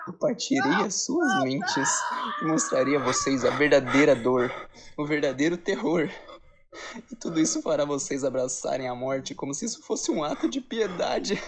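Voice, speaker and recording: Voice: medium pitch, expressive, measured pace, a little hiss or hum. An actor voicing a sadistic, gloating villain with a Brazilian accent, theatrical and menacing, in an audio drama. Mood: gloating menace. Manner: theatrical, menacing, laughing between threats. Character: sadistic, gloating villain threatening madness and death. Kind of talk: audio drama trailer monologue.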